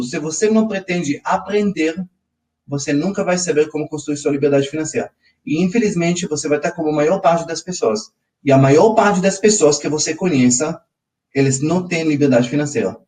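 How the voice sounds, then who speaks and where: A man's voice: a little high, fairly quick, recorded from a distance. A man from Israel with an Israeli accent, a Hebrew native speaker, leading a live online finance class and prompting his viewers again and again. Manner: energetic, audience-prompting with frequent ok?. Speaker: financial coach.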